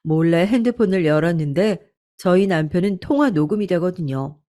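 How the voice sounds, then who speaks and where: A woman's voice: on the low side, lively intonation, moderate pace, dark tone. A woman narrating a true-story radio drama in the first person, earnest and confiding.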